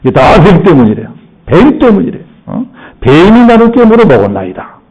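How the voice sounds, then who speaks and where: Man doing a shrill scornful Eve. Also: huge pitch swings, normal speed, darkish tone, husky, heavily acted, low-quality recording. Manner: shrill scolding taunts. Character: nagging scornful wife Eve.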